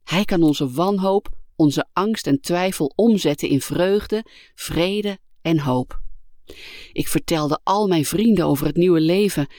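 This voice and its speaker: A woman calmly and earnestly narrating a first-person life story from a script. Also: on the low side, unhurried, hardly any pauses, no echo, clean studio sound.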